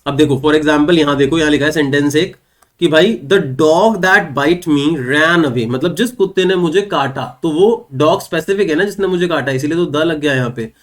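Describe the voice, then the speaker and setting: A young man giving an online exam-prep English lesson, explaining step by step and asking and answering his own questions. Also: on the high side. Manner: reads English example sentences slowly and clearly. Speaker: English teacher.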